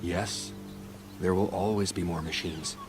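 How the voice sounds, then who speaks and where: Solemn tribal painter-hunter, game drama. Very deep, measured, reverent delivery under prominent music. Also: male voice, steady tone. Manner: grave, measured, formal. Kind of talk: video game voice acting.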